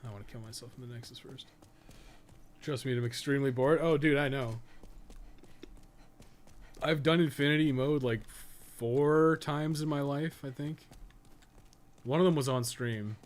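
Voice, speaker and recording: A man's voice: mid-range voice, moderate pace, pauses often. A man giving casual, rambling live game commentary with plenty of swearing, as a streamer. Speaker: streamer and podcast co-host. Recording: clearly noisy, game audio behind. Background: video game sound and dialogue.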